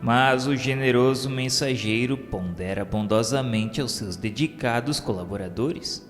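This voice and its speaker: A Brazilian man reads scripted narration at a slow, measured pace. His delivery is solemn and formal, with a literary radio-novela tone. His medium-pitched voice carries a long reverb, and music plays behind him.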